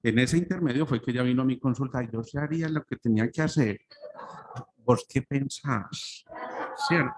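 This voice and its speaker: A man's voice: medium pitch, fast talker, hardly any pauses, a little mellow. A Colombian man with a Paisa accent, a doctor giving a spiritual lecture that moves into storytelling, often checking in with listeners by asking "¿cierto?". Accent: Paisa (Antioquian) Spanish. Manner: storytelling with frequent "¿cierto?" asides. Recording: long hall reverb, faint background noise.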